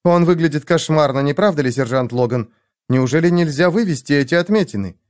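A man voicing a lonely, high-strung young woman who pleads and frets. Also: expressive, brisk, a little mellow, dry recording, clean studio sound, close to an everyday voice.

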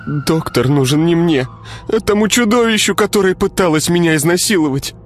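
A shrill, sobbing young woman on the edge of hysteria, her voice jumping high and breaking into stammers, as a male storyteller puts her on. Faint music plays under the reading. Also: lively intonation, brisk, natural voice. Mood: hysterical. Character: frightened, furious young woman, Ira.

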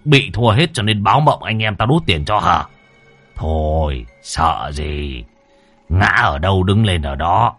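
Brief: blunt old ghost-hunter master, voiced by a man, deep and husky. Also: lively intonation, a little slow, fairly bright tone, faint music behind, exaggerated voice. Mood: gruff. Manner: gruff, blunt. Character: gruff old ghost-catching master, teasing.

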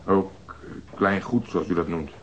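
An actor playing a probing police detective in a radio drama, putting terse, formal questions methodically in a husky voice. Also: male voice, deep voice, unhurried, slight background noise. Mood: sceptical, pressing. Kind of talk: naturalistic radio drama acting. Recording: dull lo-fi radio recording.

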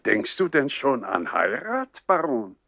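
An actor playing a stern, pompous older nobleman and father in a 1960s radio play, questioning deliberately. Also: medium pitch, big pitch swings, vocal fry, sharp tone, dry recording, clean studio sound, full character voice. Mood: stern, probing.

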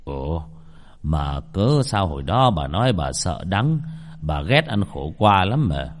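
Một người đàn ông giọng miền Nam đóng vai một ông cụ già sợ hãi, giọng trầm lẩm bẩm. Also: male voice, animated, fast, warm tone, a little hiss or hum. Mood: fearful. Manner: low muttering, fearful. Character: frightened old grandfather, low and muttering.

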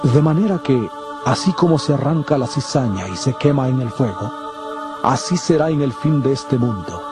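An actor playing a calm, solemn male teacher of parables in a dramatized scripture audio, speaking in a measured, deliberate way. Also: medium pitch, lightly acted. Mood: solemn explaining. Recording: constant prominent music under the voice. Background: music.

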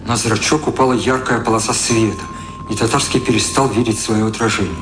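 A man's voice: fairly low pitch, fairly even intonation, fairly quick. A man narrating a radio drama from a literary script. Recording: roomy echo with prominent music.

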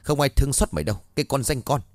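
A man voicing a cruel, hot-tempered middle-aged aunt who scolds in rapid, harsh bursts. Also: medium pitch, animated, darkish tone, no room sound, pitched above the performer's own voice, close to an everyday voice. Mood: furious.

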